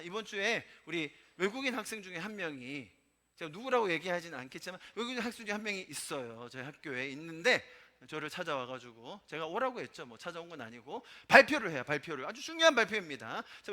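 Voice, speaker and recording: Animated, bright-voiced Korean pastor preaching. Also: male voice, sits high. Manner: emphatic, rhetorical questions to the congregation. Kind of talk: sermon. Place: church sanctuary.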